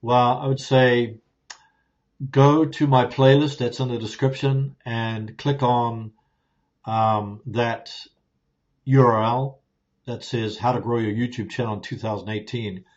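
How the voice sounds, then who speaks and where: A man chats loosely through viewer questions, restarting sentences and filling gaps with ums. His voice sits mid-pitch, picked up by a clip-on mic on a phone. The sound is a little dull and lo-fi. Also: a little slow. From New Zealand. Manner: relaxed, rambling, many fillers and restarts. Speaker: YouTuber answering viewer questions. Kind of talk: casual live Q&A. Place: home studio with ring light, softboxes and plants. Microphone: phone with clip-on lapel mic.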